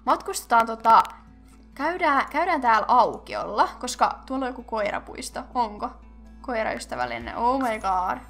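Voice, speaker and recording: Young woman, excitable gaming host, lively swooping voice, slightly raised pitch. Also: soft background music. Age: young adult. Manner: excitable, squeals at cute animals; chatty, thinks aloud with fillers. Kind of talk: casual game commentary.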